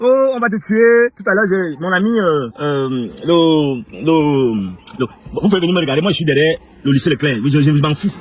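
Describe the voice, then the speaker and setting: A man talks at a moderate pace in an animated tone. The sound is dry and close, with no echo. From Cameroon. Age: 40s. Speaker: political activist. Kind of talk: political monologue.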